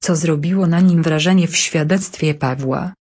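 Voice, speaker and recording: A woman reading Bible passages and study questions in an even, measured way. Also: sits low, husky. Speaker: scripture reader.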